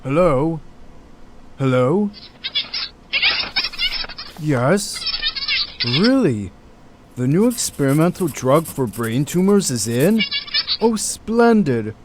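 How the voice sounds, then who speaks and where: A man's voice: on the high side, background noise. A man playing an earnest, kindly doctor in an amateur audio drama.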